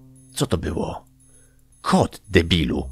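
Whispering and hissing at a fairly slow pace, a man uses a put-on character voice over music in the background. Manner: hissing, whispered.

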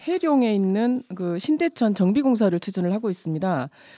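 A woman speaks with very wide pitch swings and a dark, mellow tone. The sound is dry, with no echo. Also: quiet background. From South Korea, Suncheon (Jeolla); South Korea. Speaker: city council member. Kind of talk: radio debate.

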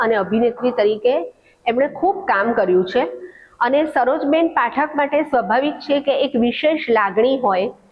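Noticeable background noise accompanies a woman's high voice, which shows ordinary pitch variation. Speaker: English professor. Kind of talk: interview statement.

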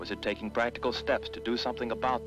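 Clear music plays behind a man whose voice comes through dry, with no echo. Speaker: first-person film narrator. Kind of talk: documentary narration. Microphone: old recording.

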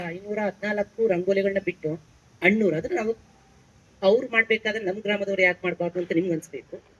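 Fairly even intonation from a man with a high pitch. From Bangalore, India. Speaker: gynaecologist, medical association president. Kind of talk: interview.

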